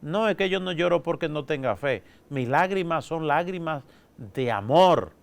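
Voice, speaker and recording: A Catholic priest with a Dominican accent, preaching in a folksy, colloquial way that keeps turning to the listeners with quick asides. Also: male voice, medium pitch, smooth. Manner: lively, folksy, peppers speech with "¿verdad?" and "oiga".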